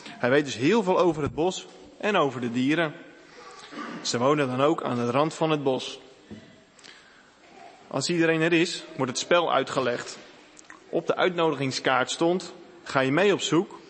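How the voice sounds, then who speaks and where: A man reading a children's story aloud in a clear, expressive way. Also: on the high side, a little slow, pauses often. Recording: echoey room with faint hiss.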